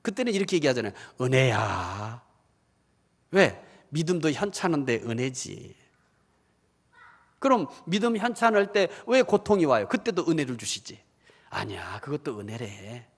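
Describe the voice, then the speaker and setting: A male pastor preaching a sermon, animated, asking the congregation questions and acting out believers' inner voices. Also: on the high side, normal speed. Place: church hall. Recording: church hall reverb.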